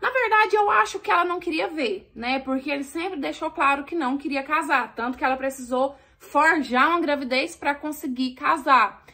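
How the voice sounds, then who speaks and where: Brazilian girl telling a story, high bright voice, super animated, acts out every line. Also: moderate pace, few pauses. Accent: Brazilian Portuguese. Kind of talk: storytelling to viewers.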